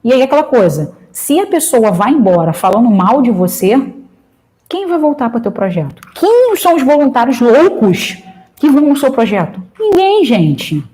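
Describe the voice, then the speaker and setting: A woman gives casual advice to a group in a fairly high voice. She talks with emphatic energy and gets loud when excited. She works jokes and anecdotes into her points. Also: moderate pace. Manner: tells anecdotes, jokes along the way. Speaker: social project leader speaking to a group.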